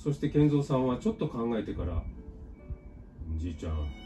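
A reading voice that is unforced

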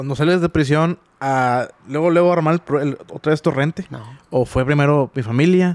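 A man with a fairly high pitch and ordinary pitch variation talks at a moderate pace. He leaves hardly any pauses, and the sound is dry with no echo. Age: 30s. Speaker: podcast interviewer. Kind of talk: interview, casual chat. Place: studio. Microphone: studio mic.

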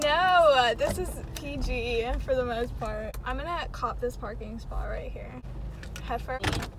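Over noticeable background noise, a woman talks at a very slow pace in a dry sound with no echo. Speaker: vlogger driving. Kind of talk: casual vlog chat. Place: car. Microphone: phone near.

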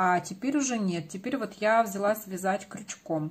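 Here a woman speaks at a fairly slow pace. Her voice is somewhat breathy. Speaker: knitting video blogger. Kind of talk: casual tutorial and Q&A. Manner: chatty.

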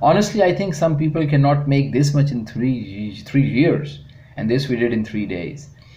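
A man speaks with lively intonation at a moderate pace against noticeable background noise. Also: fairly high pitch for a man. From Pakistan. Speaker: retail trader giving testimonial. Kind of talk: testimonial walkthrough of a screen demo.

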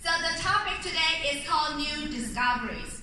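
A raised, projected voice with audible room echo and light background noise. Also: woman. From Taiwan. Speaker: network marketing leader and motivational speaker. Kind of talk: motivational speech. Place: hall. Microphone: pa.

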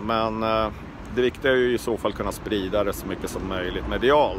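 Noticeable background noise sits behind a man's voice. The sound is dry, with no echo. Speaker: video reporter. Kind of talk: vlog commentary. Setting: outdoors. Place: street. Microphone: phone near.

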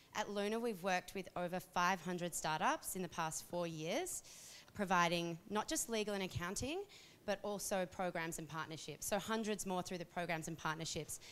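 Speaking at a moderate pace, a woman with a normal speaking voice has a medium pitch and ordinary pitch variation. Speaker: recruitment company staff and co-presenter. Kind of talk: workshop presentation. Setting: stage with live audience. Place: hall. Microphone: handheld.

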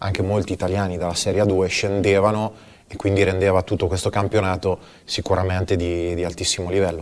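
Fairly quick, monotone, flat speech from a man with a fairly low voice. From Italy. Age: 30s. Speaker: basketball team manager, former player; guest. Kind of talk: TV sports talk show interview. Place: studio.

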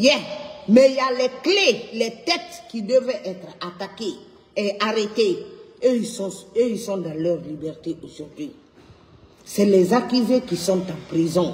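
A woman's fairly high voice with very wide pitch swings, a very slow pace, long and frequent pauses, and noticeable background noise. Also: big swings in loudness. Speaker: political commentator on video channel. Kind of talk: direct-to-camera political address. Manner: indignant, urgent.

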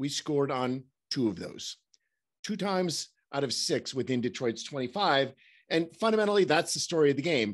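Against a quiet background, a man with an American accent talks at a moderate pace with lively intonation. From Green Bay, Wisconsin; Wisconsin. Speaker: podcast co-host. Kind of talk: casual chat. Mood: friendly fan enthusiasm. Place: home room. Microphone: video call.

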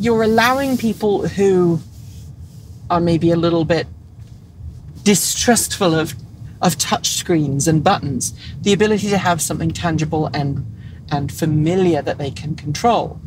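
With noticeable background noise but a dry sound with no echo, a woman at a fairly low pitch speaks at a moderate pace with long, frequent pauses. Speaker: car reviewer. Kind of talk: review commentary. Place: car.

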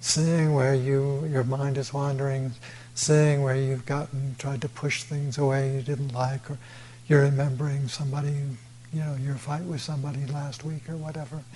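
A soft-spoken man talks at a moderate pace with a fairly high pitch and a dark, mellow, somewhat breathy tone. His intonation is monotone and flat. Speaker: Buddhist monk giving a dharma talk. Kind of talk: sermon. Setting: temple hall with audience, using a microphone. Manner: halting, with fillers.

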